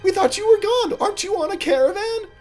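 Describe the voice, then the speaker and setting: A man voicing a jovial male halfling bartender who greets guests loudly and chats on and on. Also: extremely high pitch, lively intonation, fast, soft background music, voice pushed up. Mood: boisterous, friendly. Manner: loud, chatty and welcoming.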